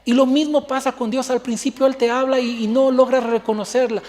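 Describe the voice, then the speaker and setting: Man, pastor, sermon, lively storytelling, long reverb in a church hall. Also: extremely high pitch, fairly quick, a little hiss or hum. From Bolivia. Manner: animated storytelling, acting out dialogue.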